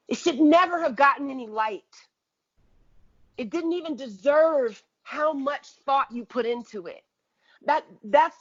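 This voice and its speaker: A woman speaking as an interview guest, reflective and deliberate, repeating phrases for emphasis. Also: high voice, a bit bright, muffled recording.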